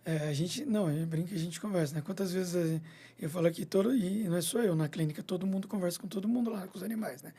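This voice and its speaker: Veterinário falante, rápido e de voz rouca. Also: male voice, high voice, fast, mellow, breathy edge. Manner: chatty, repeats "entendeu?" and "né?", acts out little scenes. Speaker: veterinarian and clinic owner. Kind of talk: radio interview guest, casual chat.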